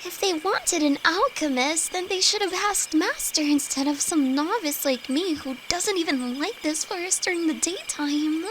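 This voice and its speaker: A woman's voice: very high voice, animated, moderate pace, hardly any pauses, background noise. A woman playing a timid young apprentice alchemist in an intimate audio roleplay, with nervous, hesitant, stammering delivery and frequent sighs. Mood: uneasy. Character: timid young female apprentice alchemist, easily frightened, sweet best friend. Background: crickets and night forest sounds.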